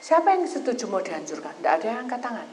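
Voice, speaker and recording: A woman pastor with a fairly high voice preaches in a lively storytelling manner. She acts out the people in her stories and keeps turning questions to the congregation. The sound is echoey, with faint room noise behind her. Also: very fast. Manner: animated storytelling, acts out quoted voices, sudden loud rises. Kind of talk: sermon. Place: church.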